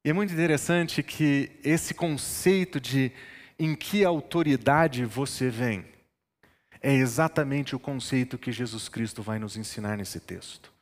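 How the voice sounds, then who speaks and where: A male pastor from northern Brazil preaches a sermon in church, his medium-pitched voice moving at a measured pace. He tells stories from his childhood and builds to emphatic teaching. The recording carries a long church reverb.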